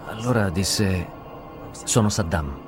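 Young interpreter's testimony; low, lively, music behind. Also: male voice, slow pace. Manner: earnest first-person testimony, emotional. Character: young male interpreter recalling a capture. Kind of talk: documentary dubbing voice-over.

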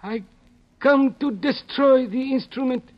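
An actor in a 1950s radio drama playing a frightened, servile foreign henchman who speaks deferential, halting broken English on an old recording. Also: extremely high pitch, highs cut off. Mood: deferential, explaining.

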